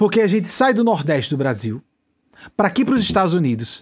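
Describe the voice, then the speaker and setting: High male pitch moving in very wide swings. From Northeast Brazil.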